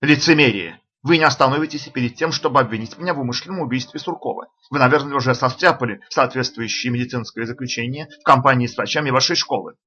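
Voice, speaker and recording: A man voicing an agitated, hot-tempered male professor in an audiobook, shouting indignant outbursts. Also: mid-range voice, lively intonation, fairly quick, husky. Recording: dull lo-fi audiobook recording.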